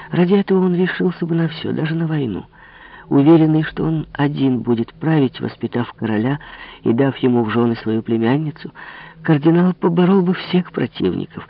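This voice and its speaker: A man voicing a young woman, a desperate lover pleading in breathy whispers in an audiobook reading, on a dull lo-fi recording. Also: a little high, pitched above the performer's own voice, full character voice.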